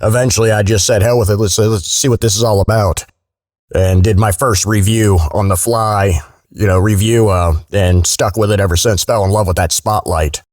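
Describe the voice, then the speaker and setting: A man's voice: lowish voice, steady tone, moderate pace, a little mellow, no room sound, studio quality. A man chatting casually and bluntly as a podcast guest, telling anecdotes in a joking, informal way.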